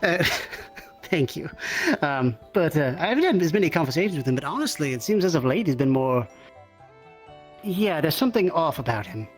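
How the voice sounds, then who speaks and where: A man's voice: on the high side, very animated, normal speed, soft background music. A man improvising in-character fantasy roleplay conversation, speaking politely and thoughtfully with some hesitation. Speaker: roleplay player. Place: online virtual reality session.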